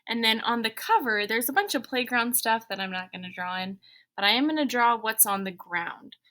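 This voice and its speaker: A woman's voice: on the high side, animated, moderate pace, sharp tone. A woman, a schoolteacher, leading children through a step-by-step drawing lesson with simple, encouraging instructions, thinking aloud as she goes. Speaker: elementary school teacher.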